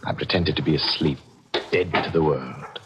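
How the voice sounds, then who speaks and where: An actor playing a cold, calculating killer who speaks deliberately and dramatically in an old-time radio mystery. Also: male voice, a bass voice, very noisy. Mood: cool, scheming. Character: cold, calculating male murderer confessing his scheme. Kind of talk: old-time radio mystery acting, first-person narration. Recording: vintage radio drama with loud music behind.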